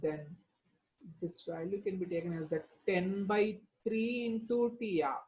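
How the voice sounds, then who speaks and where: The sound is lo-fi, and the woman's mid-range, darkish voice runs a little slow. Teaching chemistry with a South Asian accent, she takes the class through formulas step by step, addressing students with prompting questions and tag words.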